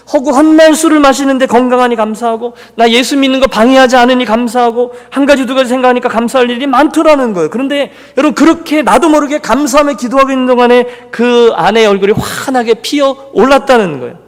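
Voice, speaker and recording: A man's voice: very high-pitched, quick pace, hardly any pauses. A male pastor giving a Sunday sermon, telling a story and voicing the people in it. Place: church sanctuary. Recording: long reverb of a church hall.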